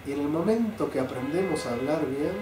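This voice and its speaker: Older guy rabbi teaching, kinda high voice, echoey room, mic far off. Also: brisk. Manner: lively, full of rhetorical questions. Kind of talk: Torah class. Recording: roomy sound, mic at a distance, faint noise.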